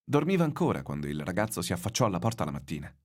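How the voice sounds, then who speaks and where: A man reading a novel aloud in measured, expressive literary narration. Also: deep voice.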